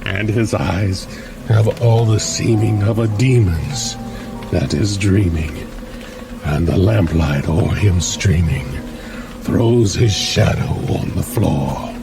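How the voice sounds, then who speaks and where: A man giving a theatrical, drawn-out dramatic reading of poetry. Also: sits low, vocal fry. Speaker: podcast host. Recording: music bed under the voice. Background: soft instrumental music.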